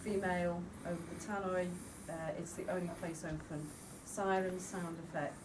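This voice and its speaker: A woman's voice: lowish voice, fairly even intonation, moderate pace. A woman reading out a draft radio drama informally, giving dialogue and sound cues matter-of-factly. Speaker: writing workshop participant reading out a script. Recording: distant mic in a noisy room.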